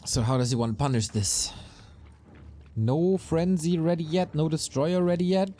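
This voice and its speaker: A man casting an esports match play by play, his voice a little raspy, breaking into quick bursts of excitement at big plays. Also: a little high. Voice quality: slightly raspy. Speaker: esports caster. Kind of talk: play-by-play game commentary. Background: game music.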